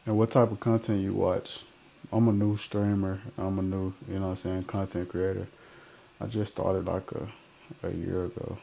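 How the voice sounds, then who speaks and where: On a live stream, a young man in his twenties with a Memphis, Tennessee accent reads out viewer comments in easygoing slang, his sentences drifting off unfinished. He talks at a normal speed in a low, level, gravelly, dark voice against slight background noise.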